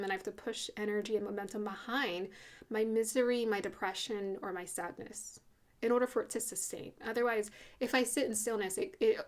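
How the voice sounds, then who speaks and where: A woman talks through a spiritual card reading in an easy, chatty way. She sounds earnest and open, dropping fillers and soft laughs as she goes. Her voice sits at an ordinary middle pitch. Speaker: spiritual reader doing a tarot card reading. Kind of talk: casual channeled card reading.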